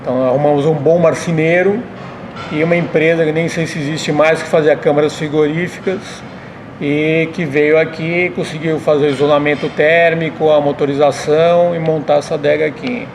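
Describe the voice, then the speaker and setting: Higher-voiced São man, creaky. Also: fairly even intonation, moderate pace, noisy background. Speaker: restaurant owner being interviewed. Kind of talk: conversational interview answers.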